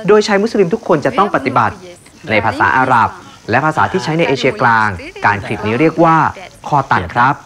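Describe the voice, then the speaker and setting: A man reads a scripted documentary voice-over in a formal, measured way, speaking straight to the viewers. His delivery is lively, rising and falling in pitch. A loud music bed runs under the voice the whole time. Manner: formal, addresses the viewers directly. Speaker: documentary narrator.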